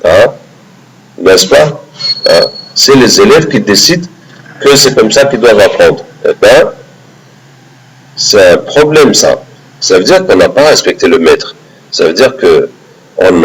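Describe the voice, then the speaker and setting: A man teaching a religious lesson, animated and often checking in with his listeners. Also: lowish voice, breathy edge, poor audio. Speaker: Quran teacher.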